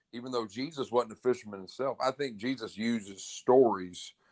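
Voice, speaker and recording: In a Southern US accent, a man speaks at a moderate pace on a very clean recording with a silent background and a dry, close sound with no echo. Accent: Southern twang. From US South, Mobile, Alabama. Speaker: college football coach. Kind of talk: podcast interview.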